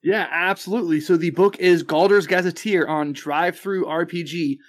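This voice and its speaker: A male podcast guest with a slightly high voice. He explains tabletop game advice in a measured, careful way and often pauses with fillers. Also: fairly even intonation. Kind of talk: casual podcast advice talk.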